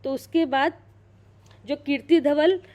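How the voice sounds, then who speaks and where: A high-pitched middle-aged woman narrating a sacred tale to a small group. She talks casually and loosely, circles back over her words and restarts sentences, and stops now and then to check that everyone is following. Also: takes it slowly, a little mellow. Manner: chatty, repeats and restarts, checks listeners follow. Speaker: storyteller retelling a Purana. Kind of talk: casual religious storytelling.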